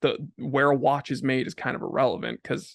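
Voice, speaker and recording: Speaking at a moderate pace is a man. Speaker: podcast host and watch enthusiast. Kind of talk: casual chat. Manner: loud.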